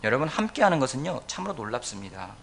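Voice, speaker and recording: A man preaching a Sunday sermon as pastor of a church, urging his congregation with emphatic swings between loud appeals and quiet, earnest lines. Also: big pitch swings, fast talker, gravelly, a little hiss or hum. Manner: emphatic, rising to loud exhortations then dropping low. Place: church sanctuary.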